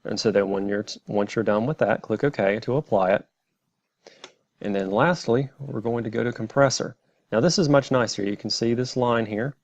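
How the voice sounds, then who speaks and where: A man narrating a step-by-step software tutorial in a plain, methodical way. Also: mid-range voice, moderate pace, dry recording, muffled recording. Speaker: tutorial presenter.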